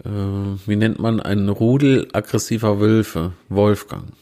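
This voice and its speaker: A man with a fairly low voice reads out one pun after another in a dry, plain way. He breaks off now and then for self-mocking asides. He is recorded indoors on a handheld recorder set on a small tabletop tripod. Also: flat delivery, a little slow, warm tone. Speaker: podcaster reading out puns. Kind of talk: casual joke reading.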